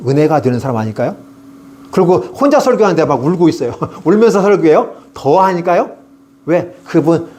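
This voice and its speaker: A man's voice: on the high side, darkish tone, a little hiss or hum. A middle-aged male pastor preaching an evening revival sermon, asking rhetorical questions and acting out people's prayers.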